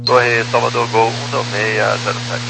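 A man's voice: medium pitch, steady tone, moderate pace, gravelly. Brazilian male pilot on noisy helmet radio. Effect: two-way radio transmission. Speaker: airline or aircraft pilot on radio. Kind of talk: aviation radio communication, helmet radio manner. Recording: noisy aircraft radio with mains hum. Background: hum and radio noise.

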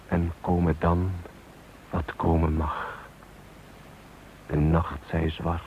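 Male verse reciter, grave, reverent, radio play, tinny narrow sound, faint hiss. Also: low voice. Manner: grave, slow, reverent phrasing. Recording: tinny narrow-band old radio recording, slight hiss.

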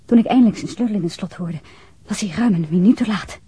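Very breathy, anxious woman. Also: mid-range voice, quick pace, dark tone. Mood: anxious, confiding. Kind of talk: Dutch radio drama monologue.

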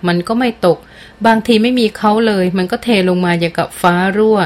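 Veteran male hunter, calm and firm, kindly, read by a woman. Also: mid-range voice, a little fast, lightly acted. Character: seasoned male big-game hunter, calm, protective.

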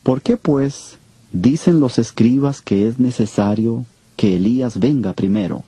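A man's voice: medium pitch, a little slow, mellow, husky, no echo, faint music behind. An actor playing a puzzled male disciple, inquiring of his teacher in a dramatized audio Bible.

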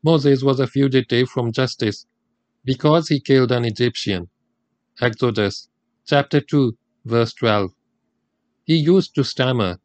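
Older Gujarati-speaking man giving a measured lecture. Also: medium pitch, darkish tone, no echo. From India. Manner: measured, deliberate delivery with Quranic recitation. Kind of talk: formal religious lecture.

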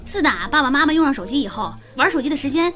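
A woman's voice: high voice, fast talker, music in the background. A woman hosting a radio comedy chat show from a studio, telling funny stories and bantering with her guests. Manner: lively storytelling, bantering. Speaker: radio host.

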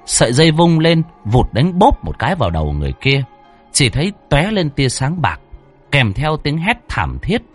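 A man's voice: on the high side, sing-song, normal speed, faint music behind. A man narrating a ghost story in a dramatic, vivid storytelling manner.

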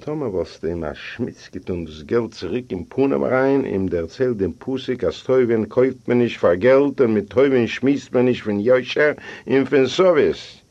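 A native Yiddish speaker reading a first-person story aloud, acting out each character in the dialogue. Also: male voice, mid-range voice, expressive, a little slow, a little mellow. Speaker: audiobook reader. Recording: dull lo-fi recording.

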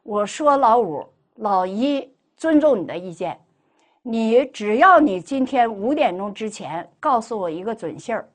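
A woman's voice: on the high side, a little slow. A middle-aged woman tells a personal testimony as a Buddhist lay speaker, acting out the dialogue she quotes. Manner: animated, acts out quoted dialogue.

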